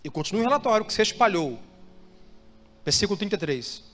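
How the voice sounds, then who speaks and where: A Brazilian man with a high voice preaches to his congregation and keeps calling on them to repeat phrases and answer his questions. His voice rings through a reverberant church hall. Soft music plays faintly underneath. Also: big pitch swings, fast talker. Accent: Brazilian Portuguese. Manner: preaching with call-and-response prompts to the congregation. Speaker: pastor. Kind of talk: sermon.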